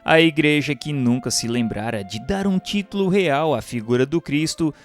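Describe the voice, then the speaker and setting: A man reading scripted narration in a formal, solemn, measured manner. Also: on the high side, animated. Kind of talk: scripted audiobook-style narration of a spiritual history text. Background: instrumental music.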